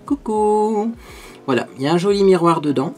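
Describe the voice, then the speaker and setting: A man hosting a makeup tutorial in a casual, chatty way, animated and full of little fillers. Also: a little high, very fast, faint music behind. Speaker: beauty video host.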